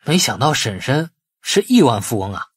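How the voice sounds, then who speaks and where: A man's voice: medium pitch, big pitch swings, normal speed, husky, no room sound, clean studio sound. A man narrating an audiobook voices a cautious, shrewd company boss who speaks in a tentative, probing way. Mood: feigned interest. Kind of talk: audiobook dialogue.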